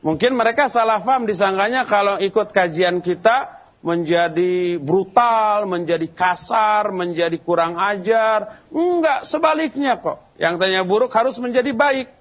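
High-voiced male preacher, dull lo-fi lecture. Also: normal speed. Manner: colloquial, storytelling teacher who acts out quoted people. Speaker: Islamic preacher. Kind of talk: sermon. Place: large mosque lecture hall.

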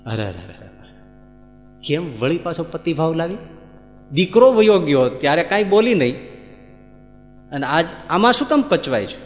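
A man voicing a calm, commanding spiritual master. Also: fairly high pitch, moderate pace, long pauses. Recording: echoey hall, dull sound, faint music.

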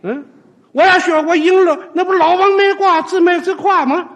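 A man's voice: very high-pitched, moderate pace, a bit bright, voice pushed up. A man doing a brash bumbling commoner judge. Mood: boastful. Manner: brash, wheedling.

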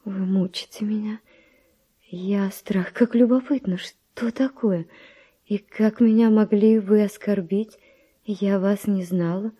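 Refined young widow, dull old recording. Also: female voice, mid-range voice, steady tone, slow, husky. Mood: insistent curiosity. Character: virtuous, curious young noble Spanish widow. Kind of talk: theatrical verse radio drama acting.

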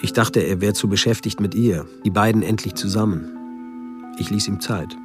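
A man's voice: lowish voice, normal speed, a little mellow, soft background music, lightly acted. An actor playing a man who soberly and reflectively narrates the story of his friend in a radio drama. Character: male friend soberly recounting a lonely man's story.

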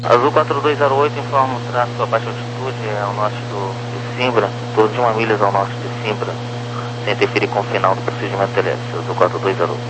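Low-voiced male controller on crackly radio. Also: fast talker. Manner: clipped procedural instructions, numbers read digit by digit. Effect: crackly aviation radio. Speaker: air traffic approach controller. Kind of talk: radio air traffic control phraseology. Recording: crackly humming aviation radio transmission.

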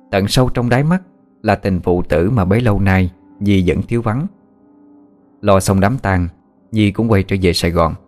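A man narrating a ghost story in a calm, even way. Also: deep voice. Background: faint music.

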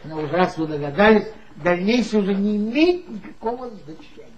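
A tipsy, sly former magazine man confides mocking gossip with a lively, wandering pitch. It is a 1960s stage radio play, heard through a dull, muffled old recording with faint hiss. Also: moderate pace. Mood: gossipy.

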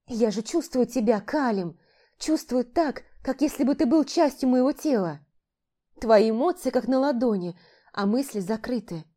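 A woman's voice: on the high side, lively intonation, moderate pace, dark tone, pitched above the performer's own voice. A woman voicing a young fantasy heroine who pleads emotionally in a raised, strained voice. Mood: pleading. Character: young heroine, frightened and indignant. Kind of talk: audiobook character voicing.

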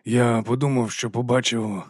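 A man's voice: mid-range voice, steady tone, moderate pace, breathy edge, dry recording, studio quality, close to an everyday voice. A male narrator voicing a weary middle-aged watch captain who mumbles in a subdued way. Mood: sheepish. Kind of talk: audiobook character voice.

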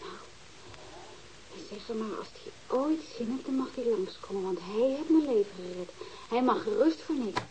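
A woman's voice: fairly high pitch, expressive, normal speed, noisy background, close to an everyday voice. An actress playing a grateful, coarse young streetwise woman in a radio drama, familiar and slangy.

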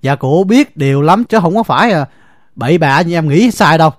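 An actor with a Southern Vietnamese accent playing a timid husband who pleads in a flustered way in an audio drama. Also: male voice, fairly high pitch, expressive, fairly quick, no room sound, clean studio sound, natural voice. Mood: pleading. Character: harried timid husband caught between two women.

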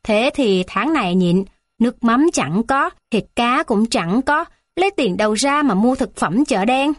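A woman's voice: a little high, animated, unhurried, no room sound, studio quality. A woman voicing an irritable mother who grumbles and scolds. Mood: grumbling.

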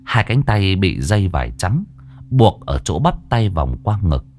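Lively man telling ghost stories. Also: low voice, a little slow, a little hiss or hum. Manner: lively expressive storytelling. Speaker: storyteller. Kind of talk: ghost story narration.

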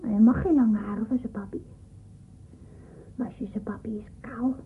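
A woman's voice: fairly high pitch, steady tone, moderate pace, a little hiss or hum, natural voice. A woman voicing a curious, naive small child, prattling and questioning in a radio play. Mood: curious, artless. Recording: muffled, phone-like old radio recording.

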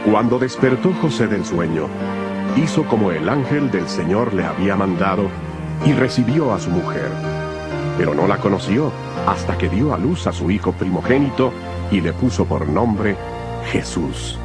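A man with a lowish voice reads scripture as a narrator, solemn and measured. His intonation is lively, and music plays clearly behind him. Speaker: Bible narrator.

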